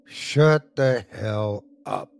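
Large hostile tavern man, performed by a male narrator: gruff, stern, scornful, barking orders, audiobook story. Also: mid-range voice, expressive, a little slow, lightly acted. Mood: stern, dismissive.

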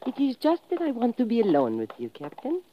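Intense foreign girl out for revenge, old radio play, swoopy high voice, hissy muffled recording. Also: wildly swooping pitch, a little fast. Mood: coaxing, secretive. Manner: intense, broken English. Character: vengeful foreign young woman out to avenge her man. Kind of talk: 1950s radio drama acting.

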